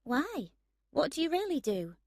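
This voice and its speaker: A woman's voice: sits high, sing-song, a little slow, darkish tone, no room sound, voice pushed up, heavily acted. A woman reading the lines of a tired young waitress with a dry, weary wit. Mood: curious. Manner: weary, questioning.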